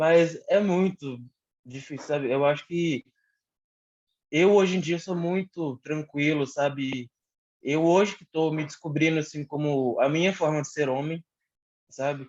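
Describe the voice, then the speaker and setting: The voice has a calm tone and fairly even intonation, moving at a fairly slow pace with long, frequent pauses in a dry, close sound with no echo. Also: man. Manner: calm, reflective.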